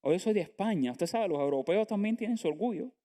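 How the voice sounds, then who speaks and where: Earnest high-voiced man preaching. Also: lively intonation, quick pace, warm tone. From Latin America. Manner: earnest preaching with rhetorical questions. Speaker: pastor. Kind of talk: sermon. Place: church sanctuary.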